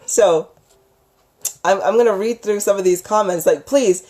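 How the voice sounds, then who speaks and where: A woman's voice: mid-range voice, measured pace, mellow. A woman hosting a casual livestream, chatting informally and gushingly with viewers as a storyteller, using affectionate endearments. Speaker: livestream host, storyteller and psychic healer.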